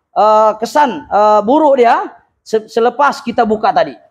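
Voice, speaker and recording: A loud man's voice at an extremely high pitch, with ordinary pitch variation. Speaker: car mechanic. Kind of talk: workshop tutorial. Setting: car workshop.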